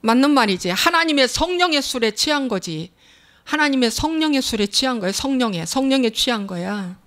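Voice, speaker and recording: A woman's voice: sits high, animated, fairly quick, a bit bright. A woman pastor preaching a sermon in a plain, conversational way, with emphatic, repeated rhetorical questions.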